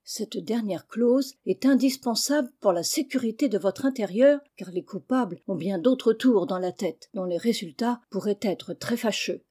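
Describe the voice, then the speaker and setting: A woman reading the part of a bold schoolboy, polite and firm, who keeps calm under pressure. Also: medium pitch, normal speed, hardly any pauses, breathy edge, lightly acted.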